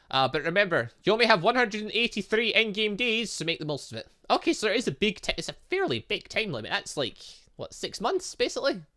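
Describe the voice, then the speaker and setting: Male let's player, higher register, very lively intonation, reads game text aloud with stumbles and muttered asides. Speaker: gaming YouTuber playing a visual novel.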